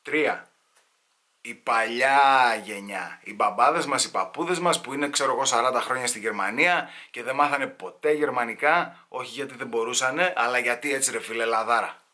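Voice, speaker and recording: A man's voice: medium pitch, sharp tone. A man telling comic stories at home, casual and slangy, sliding into mock voices. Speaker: comedian storyteller. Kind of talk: sit-down comedy storytelling.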